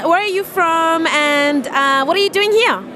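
A woman's voice: very high voice, a little slow, pushed and bright, faint music behind. A woman interviewing festival-goers, friendly and upbeat. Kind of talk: vox pop interviewing. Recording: noisy outdoor festival with crowd.

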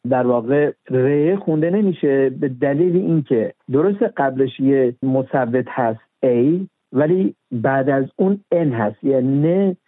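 A man's voice: a little high, no room sound. A man talking as an expert guest in an interview, methodical and patient, spelling words out letter by letter. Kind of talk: explanatory interview talk. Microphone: phone. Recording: tinny phone line.

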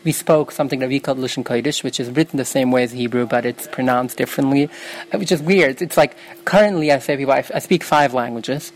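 A woman's voice: extremely low pitch, fast, darkish tone, rough recording. A young woman from New York, a native Yiddish speaker, answering interview questions in an earnest, self-correcting way. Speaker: interview guest.

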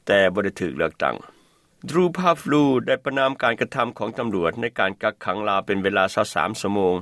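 A man reads a news voice-over in a somewhat low voice. His delivery is steady and formal, and the recording is dry and close. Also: a little fast, dry recording. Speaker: news narrator.

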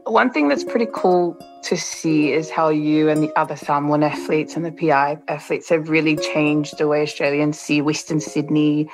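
A woman interviewer asks a question in a friendly, curious tone. Her voice sits very low for a woman. Guitar music plays clearly behind her. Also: fairly even intonation, moderate pace, few pauses, rough recording.

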